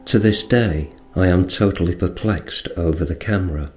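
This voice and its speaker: Man narrator, very low and dark-toned, audiobook-style first-person account, music underneath. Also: normal speed.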